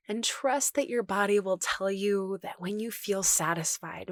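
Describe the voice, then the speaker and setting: Gentle woman guiding meditation, close dry sound. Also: on the low side, no echo. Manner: gentle, reassuring, unhurried. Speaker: yoga and meditation teacher. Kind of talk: guided meditation instruction.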